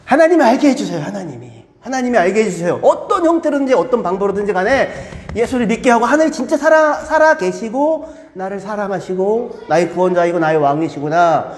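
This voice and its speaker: Animated male pastor in an echoey hall. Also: sits high, a little fast, few pauses. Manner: animated, acts out crowds and disciples with shouts. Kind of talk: sermon. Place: church.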